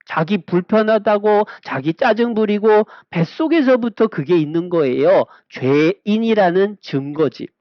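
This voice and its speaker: High-voiced man teaching kids Bible lesson. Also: expressive, a little slow, hardly any pauses, dry recording. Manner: asks children rhetorical questions with a repeated refrain. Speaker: Sunday school teacher. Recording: dull lo-fi sound.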